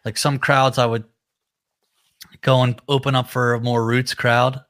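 A man's voice: mid-range voice, flat delivery, measured pace, a bit bright. A man with a nasal voice, a musician chatting casually on a live stream, rambling and laid-back with lots of fillers. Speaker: musician co-hosting a live chat. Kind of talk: casual chat.

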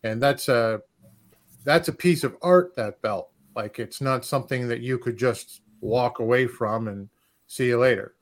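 A man's voice: mid-range voice, a little slow. Enthusiastic male podcast host. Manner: enthusiastic questioner. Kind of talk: casual interview.

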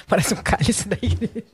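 A woman's voice: medium pitch, breathy edge. A Brazilian woman hosting a podcast, chatting casually and teasing her guest with frequent giggles. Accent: Brazilian Portuguese. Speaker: podcast host. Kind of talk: casual chat.

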